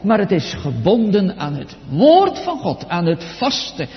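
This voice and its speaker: A man preaching a solemn, emphatic sermon to his congregation in church, stressing words slowly and deliberately. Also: high voice, huge pitch swings. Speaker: pastor. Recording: dull lo-fi church recording with long reverb.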